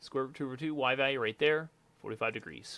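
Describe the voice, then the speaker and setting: The recording is very clean, with a silent background. A man speaks at a fairly high pitch in a bright, sharp tone. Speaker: math teacher. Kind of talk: lecture. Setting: recorded video lecture. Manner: fast.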